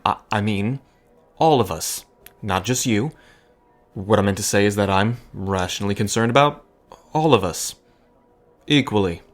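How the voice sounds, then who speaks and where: An actor in an audio drama playing a guarded, pragmatic worrier, earnest and defensive, sometimes halting. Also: male voice, lowish voice, lightly acted. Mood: anxious, awkward. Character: guarded, worrying man, pragmatic, once heartbroken.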